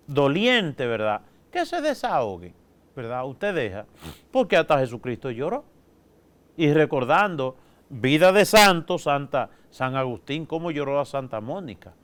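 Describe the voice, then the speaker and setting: A Catholic priest with a Dominican accent, preaching in a folksy, colloquial way that keeps turning to the listeners with quick asides. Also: male voice, medium pitch, clean tone. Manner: lively, folksy, peppers speech with "¿verdad?" and "oiga".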